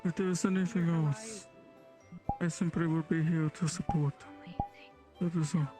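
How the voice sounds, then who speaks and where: A man voices a humble, soft-spoken puppeteer who talks in stiff, formal sentences. The voice sits high for a man, and music plays behind. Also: fairly even intonation, unhurried, lightly acted. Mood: earnest. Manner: formal, stiff phrasing without contractions. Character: humble stilted male puppeteer ally. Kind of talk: voice roleplay in a social VR world.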